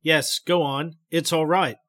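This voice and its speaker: A man reading the lines of a doctor who calmly and gently guides a patient through hypnosis. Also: on the high side, measured pace, no room sound, studio quality. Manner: calm, gentle, reassuring. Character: calm male doctor guiding a hypnosis session.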